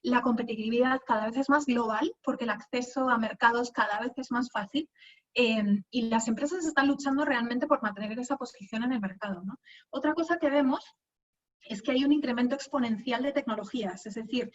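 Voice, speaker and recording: A woman from Madrid speaks with a Spanish accent in a somewhat high voice. She talks in a loose, conversational way full of fillers and restarts, heard through muffled, lo-fi video-call audio. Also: brisk. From Spain. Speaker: guest speaker. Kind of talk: webinar talk.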